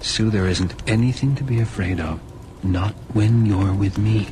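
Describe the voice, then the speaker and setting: An actor playing an awkward, lonely young man, earnest and quietly possessive, in a radio drama. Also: lowish voice, normal speed, lightly acted. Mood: possessive, soothing. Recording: noisy old radio drama recording.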